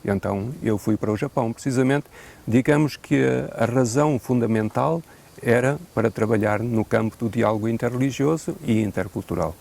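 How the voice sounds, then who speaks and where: Portuguese priest with a gravelly voice. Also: male voice, mid-range voice, darkish tone. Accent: European Portuguese. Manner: measured, thoughtful, with hesitant fillers and a dry joke now and then. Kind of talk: unscripted interview answers.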